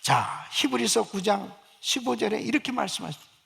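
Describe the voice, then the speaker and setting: A man's voice: sits high, lively intonation, a little fast, creaky, fairly bright tone, husky. A male pastor preaching a fervent Sunday sermon, often asking the congregation rhetorical questions. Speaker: senior pastor.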